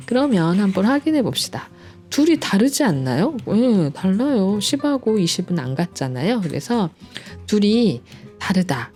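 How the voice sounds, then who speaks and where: A medium-pitched woman with a darkish tone leads a screen-recorded programming lesson from home. Playful and cheerful, she adds sound effects like "짠짠짠" and patiently chats through each step.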